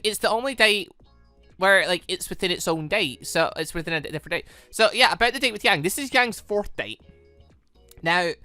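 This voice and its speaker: A man's voice: high-pitched, pushed and bright, dry recording. A man giving casual, rambling let's-play commentary as a gaming video host, often correcting himself mid-thought. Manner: rambling, self-correcting, informal.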